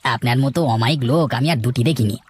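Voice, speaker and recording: A man's voice: medium pitch, fast talker, breathy edge, close to an everyday voice. A man voicing a polite, teasing, inquisitive working neighbour in a cartoon story. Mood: teasing, friendly. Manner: flattering, inquisitive.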